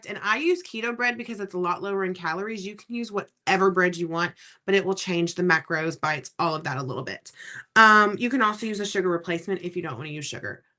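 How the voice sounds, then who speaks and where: Using a put-on character voice, a woman talks at a very fast pace in a raspy medium pitch, with ordinary pitch variation and big swings in loudness. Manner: talking fast.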